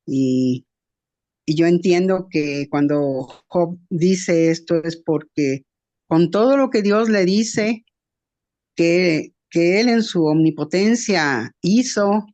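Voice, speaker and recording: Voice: medium pitch, slow pace, a little mellow, dull audio. A class participant reflecting devoutly and at length on a book of the Bible. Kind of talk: class discussion.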